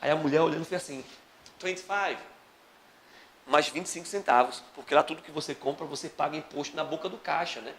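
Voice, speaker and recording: A man's voice: fairly high pitch, fast, hardly any pauses. A man, teaching a history class and telling a comic story, acting out the other voices. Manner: animated storyteller, acts out voices. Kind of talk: classroom lecture with comic anecdote.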